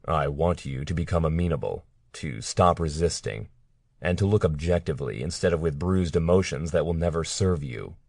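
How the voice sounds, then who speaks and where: A man voicing a cold, menacing male captor in an audiobook, speaking quietly and mockingly. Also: a bass voice, lively intonation, normal speed, creaky, no echo, clean studio sound, full character voice. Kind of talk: audiobook character reading.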